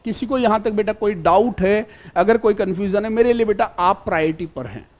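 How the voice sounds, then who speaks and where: A man teaches a live online exam-prep class in a high-pitched voice, speaking a little fast. He comes across as fatherly and repetitive, calling everyone "beta" and often asking whether they follow.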